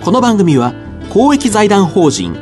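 A man hosting a radio program as its announcer, reading a polite, measured script in a studio. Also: high-pitched, wildly swooping pitch, music in the background. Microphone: studio microphone.

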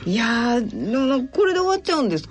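A woman's voice: a little high, very animated, very fast, husky, faint music behind. A woman co-hosting a radio show, who keeps the chat going with eager short replies and questions. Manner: eager listener, lots of back-channel replies. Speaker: radio co-host. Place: radio studio.

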